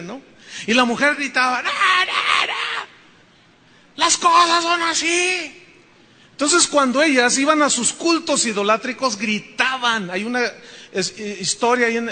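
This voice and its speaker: Mexican male pastor preaching in a church, high and piercingly bright, his voice ringing through the hall, joking and emphatic. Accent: Mexican Spanish. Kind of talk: sermon.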